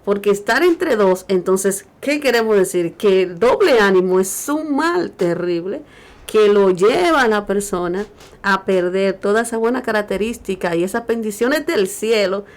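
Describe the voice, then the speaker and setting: A woman talks on a Christian radio program. She preaches emphatically and lifts her voice whenever she quotes scripture. Her pitch sits in the middle range. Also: animated, moderate pace. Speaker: radio show co-host.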